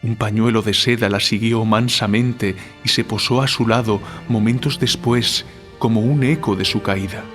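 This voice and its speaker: Male actor as a guilt-ridden writer, deliberate and literary, lower register, music underneath, for audio drama. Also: fairly even intonation, a bit bright, lightly acted. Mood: solemn narrating.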